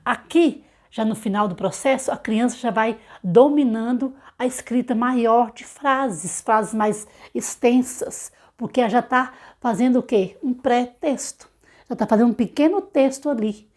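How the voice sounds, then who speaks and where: A woman, a literacy teacher explaining the steps to parents, asking herself rhetorical questions and slowly sounding out syllables and example words. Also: on the high side, darkish tone. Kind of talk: instructional talk to parents.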